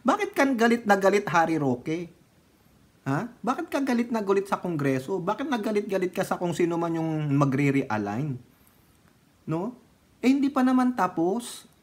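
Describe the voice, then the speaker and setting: Chatty and teasing, a Filipino man who vlogs about politics laughs often while commenting casually, dropping from loud statements into low asides.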